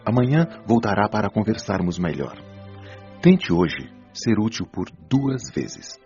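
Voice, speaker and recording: A patient, didactic spirit counsellor in a Brazilian radio drama, acted by a man. His voice is deep and animated, gently admonishing as he teaches. Music plays under the slightly dull recording. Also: a little slow. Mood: patient, firm. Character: patient, wise male spirit doctor counselling souls. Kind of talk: Brazilian audio drama acting. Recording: dull lo-fi audio, music behind.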